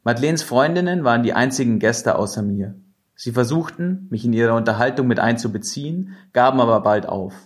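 A man reads a novel aloud in the first person, at a mid pitch for a man. His narration is measured and expressive, in a steady storytelling manner. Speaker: audiobook narrator.

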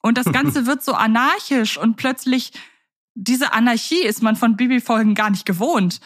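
A woman co-hosting a podcast, talking in a relaxed, thoughtful way with frequent fillers and restarts. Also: a little high, normal speed. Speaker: podcast co-host. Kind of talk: casual podcast chat.

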